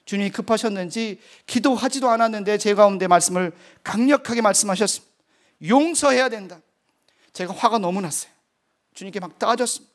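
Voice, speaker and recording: Middle-aged male missionary preacher, high-pitched, earnest storyteller in a sermon testimony. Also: fast.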